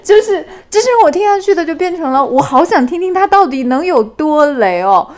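A woman co-hosting a casual podcast chat, telling anecdotes in a lively way and laughing as she goes. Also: sits high, brisk. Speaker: podcast co-host.

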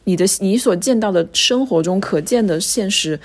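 A woman podcast co-host giving a measured, halting explanation in casual chat. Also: medium pitch, lively intonation.

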